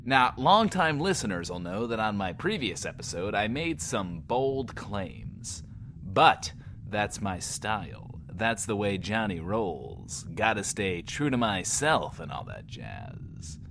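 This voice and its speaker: An actor playing a swaggering but insecure host of a post-apocalyptic bunker radio show, talking in a pompous, wordy, theatrical way. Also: male voice, on the low side, very animated, slow pace, vocal fry, background noise, full character voice. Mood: boastful, theatrical. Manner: pompous, wordy, theatrical, talks of himself in third person. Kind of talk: in-world radio show monologue, audio drama.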